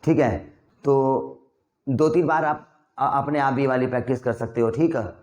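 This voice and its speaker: A young man teaching spoken English in a classroom, firing off practice sentences at a quick clip for the students to translate. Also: mid-range voice, a little mellow. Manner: brisk, rapid-fire drilling sentences. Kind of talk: classroom drill lesson. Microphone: recorded in a classroom.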